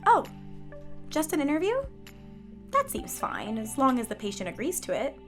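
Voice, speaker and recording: A woman's voice: high-pitched, sing-song, moderate pace, a bit bright, soft background music. A woman playing a sly, helpful hospital nurse in a fiction podcast, self-assured and teasing. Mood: conspiratorial.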